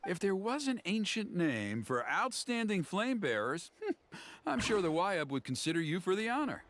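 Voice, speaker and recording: An animated, courteous tribal elder. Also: male voice, high-pitched, normal speed, exaggerated voice. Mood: pleased. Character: earnest male tribal elder, courteous and persuasive. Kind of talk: video game voice acting.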